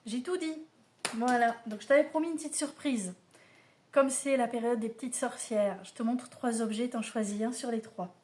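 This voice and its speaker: A woman's voice: fairly high pitch, normal speed, darkish tone. A woman giving a casual spiritual oracle card reading to camera, chatty and familiar, speaking straight to the listener. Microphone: camera mic, filmed mirrored.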